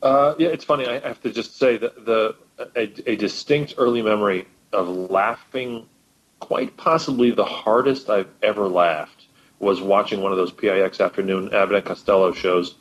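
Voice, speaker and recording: Low-voiced guest on a dull line. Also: male voice, normal speed. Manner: animated storytelling. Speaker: guest musician. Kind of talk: casual chat.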